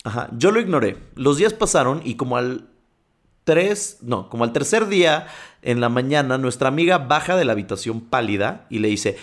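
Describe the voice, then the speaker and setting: A man's voice: medium pitch, lively intonation, normal speed. Man casually reading and chatting on a podcast. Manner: digressive, stumbles while reading and comments as he goes. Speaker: podcast host. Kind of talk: casual chat, reading listener stories aloud.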